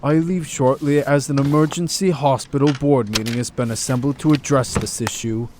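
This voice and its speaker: A man's voice: mid-range voice, steady tone, normal speed, darkish tone, natural voice. A man acting a troubled, wrongly accused doctor in an audio drama, hesitant and earnest. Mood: troubled, subdued. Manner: hesitant, stammering, protesting. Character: distraught, indignant male doctor, wrongly accused. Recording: faint background noise.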